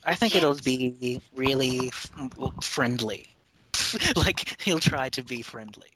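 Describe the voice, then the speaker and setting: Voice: medium pitch, lively intonation, slow pace, background noise. A podcast co-host chatting casually, often laughing and teasing. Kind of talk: casual chat.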